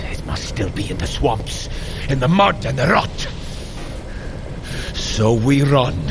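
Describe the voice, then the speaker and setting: An actor playing a proud, wrathful thunder god in an audio drama, with theatrical archaic speech that can rise to a bellow. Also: male voice, on the low side, background noise, heavily acted.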